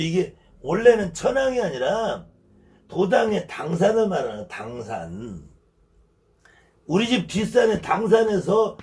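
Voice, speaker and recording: Man in his fifties, shaman teacher, high voice with lively swings, emphatic, repeats key words. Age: 50s. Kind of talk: lecture on shamanic ritual.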